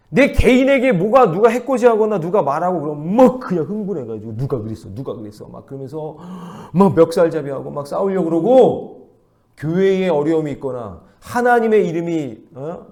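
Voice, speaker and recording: A man's voice: a little high, darkish tone. A male pastor giving an early-morning sermon, asking the congregation questions as he preaches.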